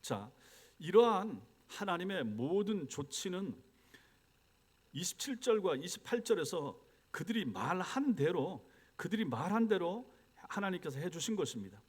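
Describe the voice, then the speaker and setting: A man's voice: high-pitched, sing-song, measured pace, slightly rough. A male pastor preaching an expository sermon, walking the congregation through verses with frequent rhetorical questions. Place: church sanctuary.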